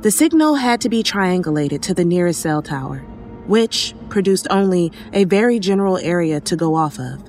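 A woman playing an emergency operator who narrates a first-person horror story in a measured, sombre way. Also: lowish voice, animated, darkish tone, close to an everyday voice. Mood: uneasy, sombre. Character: female emergency operator recounting a haunting night. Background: faint music.

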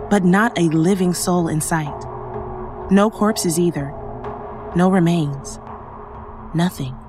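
A woman playing an emergency operator who narrates a first-person horror story in a measured, sombre way. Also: fairly low pitch, close to an everyday voice. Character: female emergency operator recounting a haunting night. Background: faint music.

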